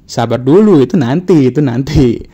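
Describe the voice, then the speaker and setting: A man's voice: mid-range voice, animated, normal speed, noisy background. A man recapping a motor race in a casual, joking, slang-filled way, like a YouTuber talking to his viewers. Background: faint background music.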